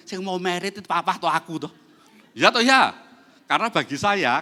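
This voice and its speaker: A middle-aged man preaches, his bright voice leaping up and down as he acts out the people in his anecdotes. It rings through a church hall with a long reverb. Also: on the high side. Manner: animated, acts out dialogue in anecdotes. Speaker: pastor. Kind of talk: lively sermon with stories.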